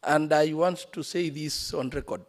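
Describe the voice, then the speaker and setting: A man's voice: on the high side, fairly even intonation, moderate pace. A man with a Kenyan accent addressing the Speaker formally as an assembly member. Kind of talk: parliamentary debate. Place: large assembly chamber. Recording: echoey hall with long reverb.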